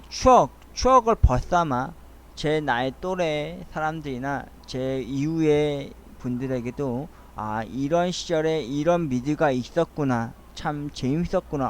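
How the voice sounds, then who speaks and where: A middle-aged man rambling through a soliloquy-style audio essay, speaking in a halting, earnest and wistful way. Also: medium pitch, a little hiss or hum. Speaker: host of a monologue essay channel.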